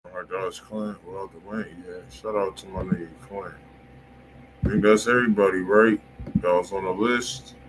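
A man's voice: deep voice, steady tone, moderate pace, background noise. A man with an American accent chatting casually and slangily as he hosts a music review livestream. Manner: slangy, informal. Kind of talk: casual chat, informal song feedback.

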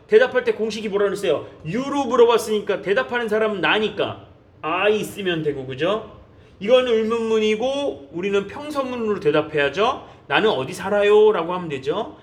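Korean man, high voice, teaches English by drilling phrases slowly and coaxing learners. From South Korea. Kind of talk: online English lesson.

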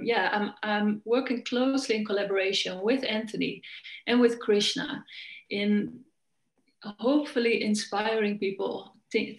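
A woman's voice: medium pitch, roomy sound, rough recording. A woman from the Netherlands, in her forties, giving an earnest conference talk as a coach over a video call, with frequent restarts. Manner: earnest, searching, many restarts. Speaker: coach and festival speaker. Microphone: video call, laptop.

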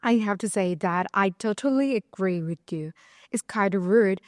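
Young woman podcast host, middle pitch, formal and steady, dry recording. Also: moderate pace, no room sound. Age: young adult. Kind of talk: scripted podcast hosting.

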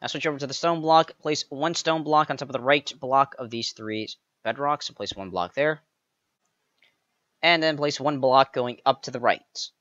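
Bright-voiced man narrating a build tutorial. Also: medium pitch, normal speed, no echo, muffled recording. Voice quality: slightly raspy. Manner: playful, counts blocks aloud, jokey asides. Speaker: pixel art tutorial creator. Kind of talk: step-by-step game build tutorial.

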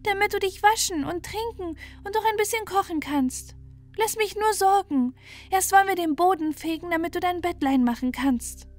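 A woman voicing a kind, busy little male shrike in a fairy tale, brisk, chirpy and reassuring. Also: very high voice, darkish tone, pitched above the performer's own voice. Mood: brisk, helpful. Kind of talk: fairy-tale storybook character voice. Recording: music behind the voice.

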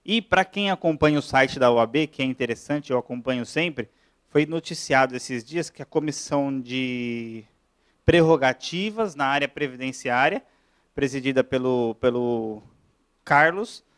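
A man from Brazil, a lawyer giving a classroom lecture, talking fast and chatty and checking in with his audience. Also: mid-range voice, fairly bright tone, smooth. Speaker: lawyer lecturing on pension law.

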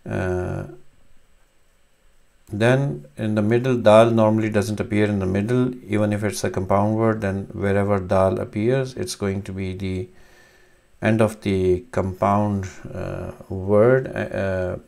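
A man in his thirties whose first language is Urdu, teaching a reading lesson with slow, halting explanations and many fillers. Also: lowish voice, steady tone, gravelly, darkish tone. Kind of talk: screen-recorded reading lesson.

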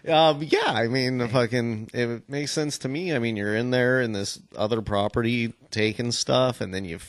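A man with an average-pitched voice chats loosely as a podcast co-host, swearing now and then. The recording is dry and free of echo. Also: moderate pace. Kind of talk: casual chat with swearing.

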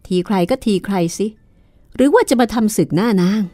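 A woman's voice: mid-range voice, very animated, moderate pace, dark tone, pitched above the performer's own voice, natural voice. A woman reading aloud and voicing a villainous young man who sneers and taunts. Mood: mocking.

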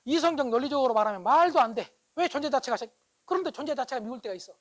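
A middle-aged man giving an animated public lecture. He keeps asking his audience whether they agree and swings from loud bursts to hushed asides. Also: extremely high pitch, quick pace, poor audio. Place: lecture hall.

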